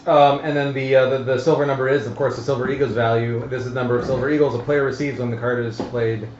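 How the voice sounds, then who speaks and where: A man hosting a casual tabletop game stream, explaining the rules in a halting, hesitant way. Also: mid-range voice, steady tone. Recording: roomy, dull audio with faint noise.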